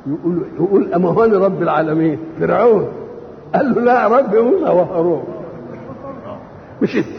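A man with an Egyptian accent explaining scripture in a religious lesson, often asking himself questions and answering them. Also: high voice. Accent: Egyptian Arabic. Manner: keeps asking and answering his own rhetorical questions; gravelly, lively and quick-spoken. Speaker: Quran commentator. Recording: echoey hall, dull lo-fi, faint hiss.

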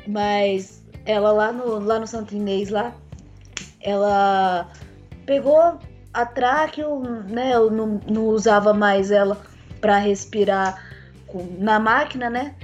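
Soft-spoken woman with a slightly rough voice. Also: medium pitch, highs cut off, faint music behind. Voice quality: voice still rough since a tracheostomy. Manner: earnest, halting, with many fillers and restarts. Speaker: interviewee. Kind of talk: personal account in a conversation.

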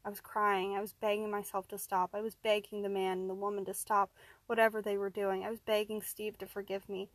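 A woman narrating a first-person horror story, steady and even, rising in tense moments. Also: mid-range voice, brisk, no room sound.

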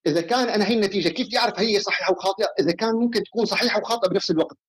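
A man's voice: high voice, very fast, husky. A man with a Levantine accent in an informal live debate, pressing his point repetitively and cutting in.

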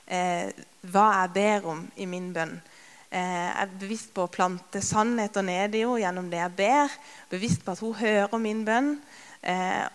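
A woman in her thirties giving a conversational sermon with personal stories, with many filler sounds, and lively when she retells scenes. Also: medium pitch. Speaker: preacher. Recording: long reverb of a large hall.

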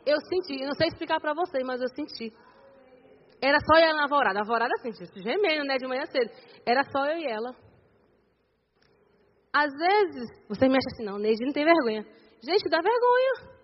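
A woman with a Bahian accent giving an animated sermon testimony in a church, acting out the dialogue of her story. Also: sits high, brisk, pauses often. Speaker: preacher. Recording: dull sound in a reverberant hall.

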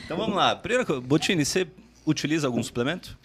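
A man with a Brazilian accent hosting an interview in a relaxed, casual way, asking questions and reading a sponsor spot. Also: fairly high pitch, very fast, a little hiss or hum. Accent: Brazilian Portuguese. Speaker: podcast host.

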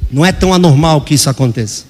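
An older man preaching a sermon as pastor, dramatic, acting out voices and sometimes shouting. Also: a little high, very fast, big-room sound, faint music behind.

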